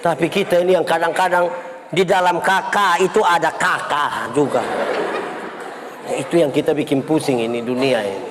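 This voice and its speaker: A male pastor, bantering with his congregation in a lively sermon and acting out little quarrels. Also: fairly high pitch, normal speed, crowd noise. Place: church hall with congregation. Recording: reverberant hall, noisy congregation.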